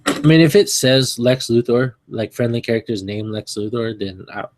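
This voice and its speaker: A man's voice: medium pitch, moderate pace, dry recording. A man speaking as a guest on a podcast in casual chat about a tabletop game, making dry, wry asides.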